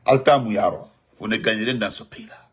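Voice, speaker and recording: A man with a Guinean French accent giving spontaneous political commentary, emphatic and repetitive, jumping from loud outbursts to muttered asides. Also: on the low side, normal speed, husky.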